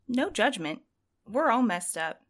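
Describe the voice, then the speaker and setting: A woman acts an exhausted young female courier in a fiction podcast. Her voice is somewhat high. She talks earnestly, with a gentle, plaintive edge. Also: sing-song, measured pace. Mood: tired, candid. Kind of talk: audio fiction podcast acting.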